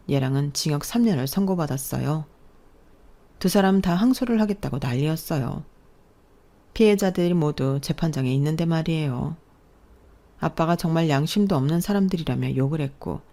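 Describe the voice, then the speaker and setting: A woman telling her own story in calm, measured first-person narration. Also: low-pitched.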